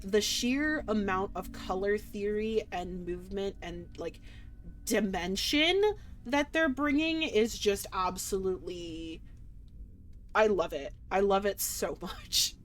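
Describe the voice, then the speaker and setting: A woman's voice: mid-range voice, slow pace, faint music behind. A woman streamer giving rambling, enthusiastic commentary on a game, full of fillers and trailing sentences.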